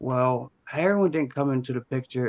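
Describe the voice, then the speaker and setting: With a Baltimore accent, a man speaks at a moderate pace and medium pitch, the sound dry and close with no echo. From US, Baltimore, Maryland (Essex). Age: 20s. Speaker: recovering heroin addict. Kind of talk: interview.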